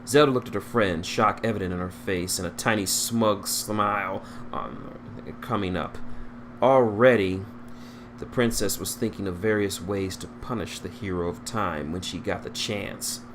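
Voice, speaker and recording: A man's voice: low-pitched, moderate pace, a bit bright, a little hiss or hum. A man reading a story aloud as narrator, now and then stumbling and rereading a phrase. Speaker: fan fiction reader.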